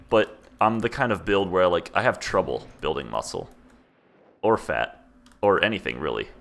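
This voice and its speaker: Low-ish voiced guy in his 20s rambling thru a game stream, laughs at himself a lot, bit of faint hiss. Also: a bit bright. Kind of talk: casual gameplay commentary chatting with chat.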